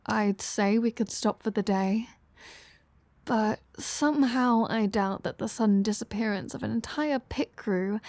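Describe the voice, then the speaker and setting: A woman acts out a flirty female vampire, an unrepentant predator in an intimate audio roleplay. She talks slowly in a mellow, relaxed voice, teasing and sardonic with plenty of swearing. The sound is close and dry. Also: medium pitch, no echo, close to an everyday voice. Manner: teasing, sardonic, foul-mouthed.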